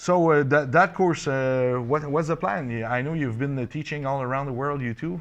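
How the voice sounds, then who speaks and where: With a Quebec accent and fairly high pitch, a man talks at a moderate pace with ordinary pitch variation and hardly any pauses over noticeable background noise. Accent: French Canadian accent in English. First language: French. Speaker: neurotherapy instructor. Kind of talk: interview. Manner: halting.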